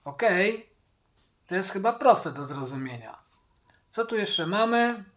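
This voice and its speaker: A man teaching from the Bible, speaking deliberately, repeating his key points and addressing viewers directly. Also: sits high, animated, a bit bright. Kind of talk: Bible study commentary.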